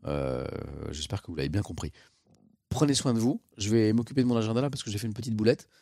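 Man, low-ish voice, live streamer, mock-exasperated, dry close sound. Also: lively intonation, quick pace, dark tone, dry recording. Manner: theatrical mock exasperation, swearing. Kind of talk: casual live-stream chat.

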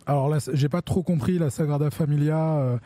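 A man's voice: fairly high pitch, fairly even intonation, a little fast, a crowd in the background. A man guesting on a live stream, speaking in a hesitant way with fillers. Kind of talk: casual chat.

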